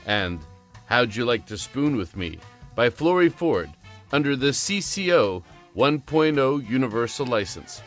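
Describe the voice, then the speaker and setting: A man's voice: medium pitch, a bit bright. A man reading scripted credits as the announcer of a radio show.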